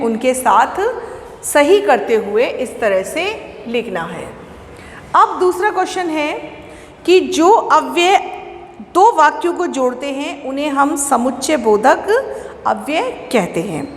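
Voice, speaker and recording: A woman with a fairly high voice teaches children, explaining each point patiently and answering her own questions. She sounds like she is in a classroom. The recording is roomy, with a long reverb tail and faint ambient noise behind her. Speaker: school Hindi teacher.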